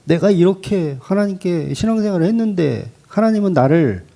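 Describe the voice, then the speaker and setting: A man preaching a sermon as pastor, in an animated way with rhetorical questions and emphatic repetition. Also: high-pitched, moderate pace, creaky. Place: church.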